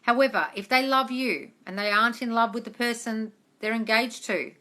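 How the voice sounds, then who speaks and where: A woman's voice: fairly high pitch, normal speed, bright, forceful tone. A woman in her forties hosting a casual live question-and-answer chat, talking informally and addressing her listeners with endearments. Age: 40s. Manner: chatty, informal, calls listeners darling and guys. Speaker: manifestation coach hosting a live Q&A. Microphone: phone, close up.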